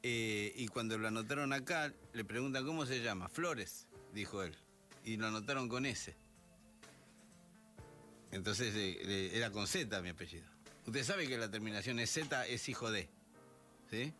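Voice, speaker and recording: Middle-aged male co-host, Rioplatense accent, easygoing and wry, bright voice. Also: lowish voice, moderate pace, faint music behind. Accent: Rioplatense Spanish. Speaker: radio co-host. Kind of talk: casual radio chat.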